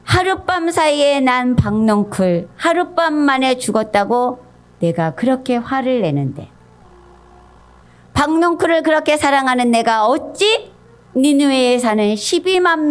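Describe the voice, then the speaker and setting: Casting: God as a patient divine father asking gentle, reproving questions, voiced by a woman, in a high voice.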